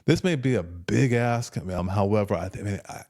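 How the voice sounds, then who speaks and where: A man in his fifties talking casually as a health coach, relaxed and repeating words as he thinks. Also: fairly low pitch, fast. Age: 50s. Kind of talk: casual conversational health talk.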